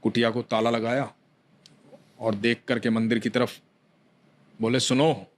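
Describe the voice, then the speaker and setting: A man narrating a devotional story with unhurried, repetitive phrasing. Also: mid-range voice, level tone.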